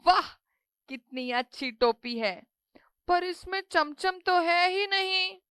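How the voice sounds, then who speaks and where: A boastful little male mouse from a children's storybook cartoon, as a woman narrator voices him, chanting his threats in a sing-song way. The voice sits very high and sounds bright and sharp. It is recorded dry and close, with no room sound. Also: animated, slow pace, no echo, heavily acted. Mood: pleased.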